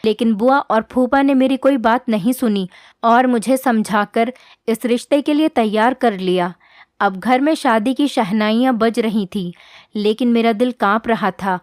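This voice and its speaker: Female narrator, earnest scripted storytelling, higher register, dry close-mic sound. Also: a little mellow, dry recording. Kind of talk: first-person scripted storytelling.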